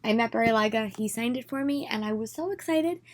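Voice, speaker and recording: A young woman with a slightly hoarse, congested voice, chatting about what she bought in a casual video from her room at home. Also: fairly high pitch, brisk, slight background noise. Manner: chatty, enthusiastic, many "um"s. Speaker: book vlogger.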